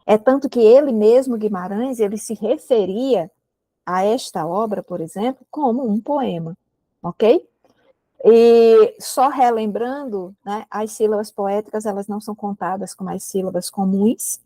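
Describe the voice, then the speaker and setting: A woman with a Brazilian Portuguese accent gives a literature lesson, explaining step by step and often pausing to check that students follow. Her voice sits at a middle pitch and sounds dry and close, with no room echo around it. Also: mellow. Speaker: literature teacher. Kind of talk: recorded prep-course lecture. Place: indoor room with a window, rain outside.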